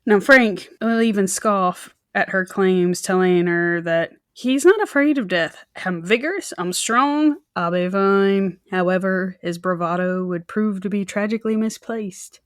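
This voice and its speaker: A woman's voice: mid-range voice, measured pace, hardly any pauses, no room sound, clean studio sound. A woman co-hosting a true crime podcast, telling a story in a casual, colloquial way with joking asides. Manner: informal, colloquial, joking asides and mimicked quotes.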